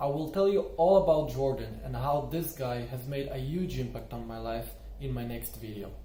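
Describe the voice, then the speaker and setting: Amid noticeable background noise and audible room echo, a man with a non-native accent talks at a moderate pace with big swings in loudness. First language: not English. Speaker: online seller vlogger. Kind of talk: partly read-aloud vlog narration.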